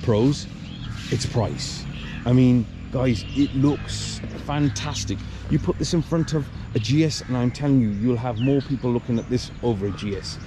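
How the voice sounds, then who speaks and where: A man's voice: mid-range voice, normal speed. A man giving a casual spoken motorcycle review, rambling with many ums and restarts as he stands beside the bike. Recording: loud outdoor noise behind the voice.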